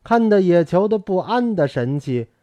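A male narrator reads a novel with slow, measured, expressive storytelling. His pitch sits somewhat high and moves a lot. The recording is dry and close-miked. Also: dry recording. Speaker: audiobook narrator. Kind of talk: novel reading.

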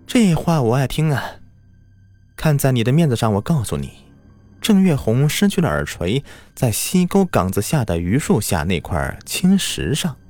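A man's voice: mid-range voice, sing-song, normal speed, a little mellow, soft background music, pitched above the performer's own voice, lightly acted. A man voicing a smug, haughty white fox spirit that has possessed a village wife, speaking in a sneering, mocking way. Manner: sneering, mocking, nasal snorts.

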